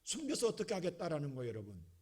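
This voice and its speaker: A male pastor preaching a sermon with passion, going from quiet talk to shouting. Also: a little high, huge pitch swings, rapid-fire, breathy edge.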